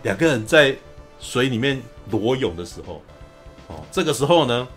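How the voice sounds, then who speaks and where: A man hosting a podcast, recapping a film in a lively, casual storytelling way. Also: mid-range voice, normal speed, soft background music. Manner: animated storyteller, often acts out quotes. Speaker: podcast host.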